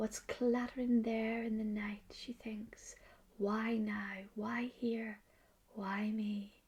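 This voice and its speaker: Soft-spoken and with an Irish accent, the speaker talks at a very slow pace. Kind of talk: bedtime story reading.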